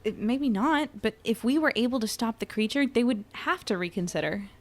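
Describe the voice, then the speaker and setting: A woman's voice: fairly high pitch, moderate pace, natural voice. A woman playing defiant, firm-voiced Avra. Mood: determined. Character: Avra, defiant, protective female monster investigator. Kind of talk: naturalistic audio drama dialogue.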